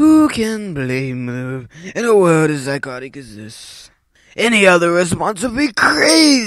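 High in pitch with very wide pitch swings and big swings in loudness, a man speaks at a fairly slow pace. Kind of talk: theatrical villain monologue. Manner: gleeful, sneering, showman-like.

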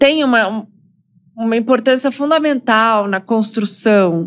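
A woman's fairly high voice with ordinary pitch variation and a quiet background. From Brazil. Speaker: occupational physician; guest. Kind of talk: interview. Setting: on-site studio at a company. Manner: halting, many fillers. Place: meeting room. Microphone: studio mic.

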